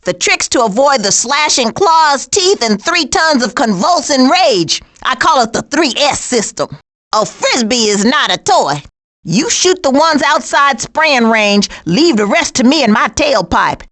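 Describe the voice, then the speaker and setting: High-pitched, sassy skunk. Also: female voice, big pitch swings, a little slow, a bit bright, exaggerated voice. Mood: dry, confident. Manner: sarcastic, slangy, wisecracking. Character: sassy, streetwise female skunk with a sarcastic temper. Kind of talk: animated video game voice acting.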